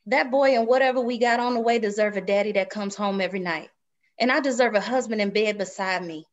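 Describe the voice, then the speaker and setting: A woman's voice: mid-range voice, fast talker, highs cut off, close to an everyday voice. A woman reading the part of a worried, stubborn pregnant wife in her thirties, scolding in rural Southern speech in a drama table read. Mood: worried, firm.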